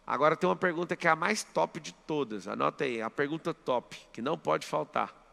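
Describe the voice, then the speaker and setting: Brazilian guy giving a seminar talk, super gravelly high voice, lots of hall echo. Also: fairly quick, bright, forceful tone. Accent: Brazilian Portuguese. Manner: emphatic, drills the audience with commands. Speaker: mentor. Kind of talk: live motivational seminar talk. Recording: long hall reverb.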